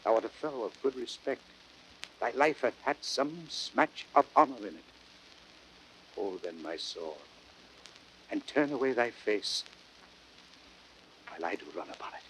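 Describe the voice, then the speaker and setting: An actor playing a noble, grieving Roman commander, solemn and declamatory, in an old radio Shakespeare drama with hiss. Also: male voice, medium pitch, animated, measured pace, pauses often, a bit bright, poor audio. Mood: solemn resolve. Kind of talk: 1930s radio Shakespeare acting. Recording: hissy old radio broadcast recording.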